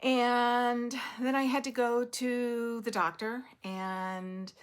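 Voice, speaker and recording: A woman's voice: on the high side, level tone, slow pace, clean tone. A woman hosting a knitting podcast from home, telling a rambling, casual story to camera and laughing often. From US East Coast.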